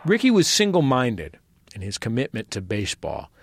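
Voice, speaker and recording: A man's voice: mid-range voice, huge pitch swings, moderate pace, gravelly, noisy background. A man in his thirties hosting a radio show with scripted narration. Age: 30s. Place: dry studio.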